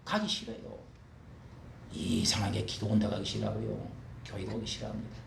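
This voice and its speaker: A man preaching a sermon as a pastor, emphatic, swinging between loud bursts and low asides, in a church sanctuary. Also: steady tone, a little fast, vocal fry. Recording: echoey hall, faint ambience.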